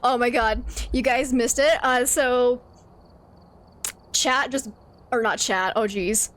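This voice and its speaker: A woman's voice: on the high side, slow, a bit bright. A woman streaming a video game, chatting casually with her viewers, laughing often and reading out their messages. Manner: chatty, laughs often, reads chat aloud. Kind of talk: casual gameplay stream chat.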